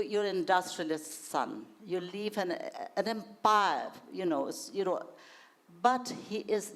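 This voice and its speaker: A woman with a posh, educated Indian accent, speaking earnestly and a little haltingly as she shares anecdotes and opinions at a panel discussion. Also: mid-range voice.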